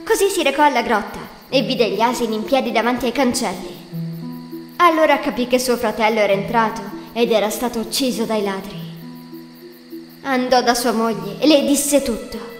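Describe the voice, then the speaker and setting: A woman's voice: a little high, normal speed. A woman reading a scripted fairy tale as the narrator. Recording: echoey hall reverb, music behind. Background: music.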